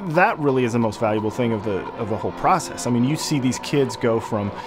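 Noticeable background noise sits behind a man talking at a very fast pace with ordinary pitch variation. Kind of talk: interview answer. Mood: warm, enthusiastic. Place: stadium.

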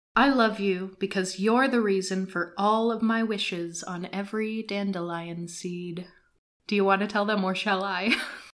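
Moderate pace and fairly even intonation from a woman at medium pitch. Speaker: podcast co-host. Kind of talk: casual chat.

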